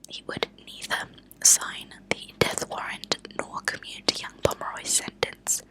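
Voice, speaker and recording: A woman whispering in a breathy, unvoiced voice, reading aloud in ASMR style with deliberate phrasing. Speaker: ASMR channel host. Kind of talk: whispered ASMR reading of a true-crime book. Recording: lo-fi whispered home recording.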